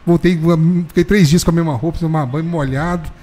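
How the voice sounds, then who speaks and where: A man telling an animated, slangy story in casual chat, peppering it with "velho". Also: a little high, fairly quick. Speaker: football fan telling a story.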